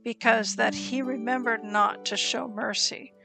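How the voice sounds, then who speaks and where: A woman giving a slow, solemn reading of scripture, with deliberate pauses between phrases. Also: a little high, steady tone, creaky, poor audio. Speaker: scripture reader. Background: soft instrumental music.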